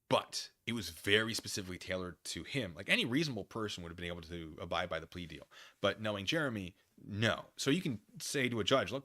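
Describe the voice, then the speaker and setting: An American man hosting a casual livestream, rambling through commentary and chat comments in an animated, digressive way and often losing his thread. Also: on the low side, no room sound, studio quality. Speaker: livestream host.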